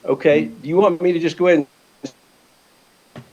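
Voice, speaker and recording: A man's voice: on the high side, steady tone, a little slow, darkish tone, lo-fi sound. A man calling into a meeting over a video link, his audio breaking up as he keeps asking whether he can be heard. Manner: asks again and again whether he is heard. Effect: video call audio breaking up. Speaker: caller joining remotely. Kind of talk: public comment at a meeting. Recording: noisy, clicking remote call line.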